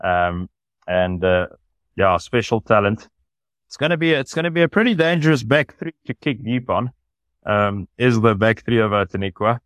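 A man with a fairly low voice talks through a player's strengths and weaknesses with a commentator's enthusiasm. He sounds close and dry, with no room around him. It is a relaxed podcast discussion. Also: normal speed, no echo. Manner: enthusiastic, analytical. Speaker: rugby commentator.

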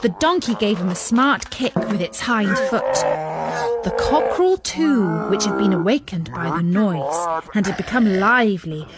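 A woman narrating a children's story in an expressive, dramatic storytelling manner. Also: mid-range voice, unhurried, heavy background noise.

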